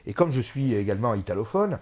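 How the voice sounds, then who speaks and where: A middle-aged man discusses politics with conviction, repeating key phrases and filling pauses with hesitations. His pitch swings widely as he presses his points. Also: sing-song, darkish tone. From France. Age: 50s. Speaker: author and guest.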